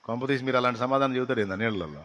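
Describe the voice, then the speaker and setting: A male pastor preaches a sermon and moves between soft asides and loud, emphatic lists. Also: medium pitch, very fast, big-room sound. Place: church prayer hall.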